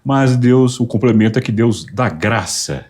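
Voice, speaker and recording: A man hosting a church talk show, tying the guest's story to scripture with a measured, preaching cadence. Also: mid-range voice, lively intonation, a little mellow, slightly rough. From Brazil. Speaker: host of a church program.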